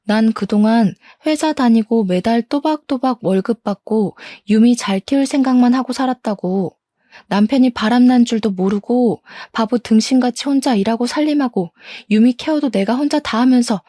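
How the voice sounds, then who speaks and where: A woman voicing a betrayed wife confronting her cheating husband with indignant, sharp words. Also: fairly high pitch, normal speed, no echo, studio quality, close to an everyday voice.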